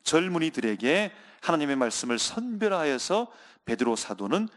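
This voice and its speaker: A male pastor delivers a Sunday sermon in a fairly high voice. He speaks earnestly, addresses the congregation often, and drags out key words for emphasis. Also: big pitch swings, normal speed, fairly bright tone.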